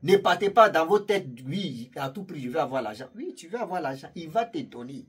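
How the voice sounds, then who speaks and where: A man's voice: fairly high pitch, very animated, brisk, a bit bright, breathy edge. A man casually telling a story to his viewers, chatty and rambling, laughing at his own jokes and speaking to the audience directly. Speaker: YouTube storyteller.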